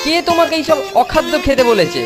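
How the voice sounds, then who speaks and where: An actor voicing an eager, food-loving schoolboy in a cartoon, expressive and easily flustered. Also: sits high, quick pace. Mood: indignant, flustered. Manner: animated, expressive, boyish. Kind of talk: cartoon voice acting. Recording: loud music bed behind voice.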